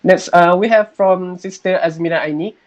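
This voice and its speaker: A man's voice: high-pitched, fairly even intonation, moderate pace. A man moderating a webinar Q&A, polite and formal, with hesitant fillers. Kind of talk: moderating a Q&A, reading viewer questions. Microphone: video call. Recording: dull lo-fi webinar audio.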